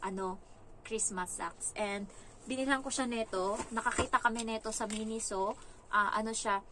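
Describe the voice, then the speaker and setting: A young woman from the Philippines, working as a household caregiver, tells stories in a casual vlog and acts out what people said in a raised, lively voice. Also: medium pitch, a little hiss or hum. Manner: animated, acts out quoted lines in a raised voice.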